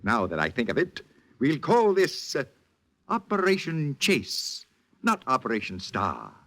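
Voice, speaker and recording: An actor playing a pompous, grandiose movie studio boss in a 1940s radio drama, talking in lofty words. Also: male voice, mid-range voice, huge pitch swings, unhurried, fairly bright tone, heavily acted. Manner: grandiose, lofty vocabulary, theatrical. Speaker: studio head.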